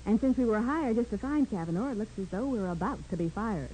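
A woman's voice: medium pitch, lively intonation, fast talker, dark tone, close to an everyday voice. A woman playing a loyal, earnest detective's assistant who asks questions in a 1940s radio crime drama. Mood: puzzled. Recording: noisy vintage 1940s radio recording.

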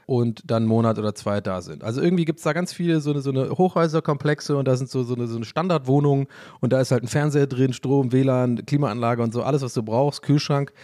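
A man's voice: mid-range voice, quick pace, a little mellow. A young man hosting a casual solo podcast, rambling and self-mocking with jokey asides. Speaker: podcast host.

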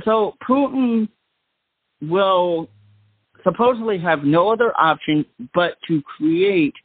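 A man's voice: a little high, slightly rough, no echo, phone-quality sound. A man hosting a talk show, giving casual radio-style commentary.

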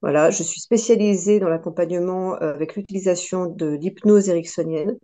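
French woman in her forties, podcast guest, lowish mellow voice, reflective with frequent restarts. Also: brisk. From France. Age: 40s. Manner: thoughtful, many hesitations and restarts. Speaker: guest, personal development coach. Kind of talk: podcast interview.

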